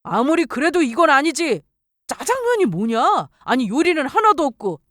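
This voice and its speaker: A woman's voice: high voice, very animated, moderate pace, fairly bright tone, dry recording, clean studio sound, pitched above the performer's own voice. A woman doing a whiny young husband. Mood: complaining. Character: defensive young husband, sulky.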